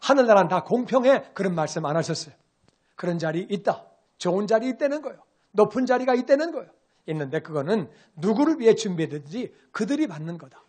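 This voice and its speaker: A male pastor with a high-pitched, slightly rough voice preaches fast, in an animated, conversational style. He drops casual asides and acts out the voices of people he quotes.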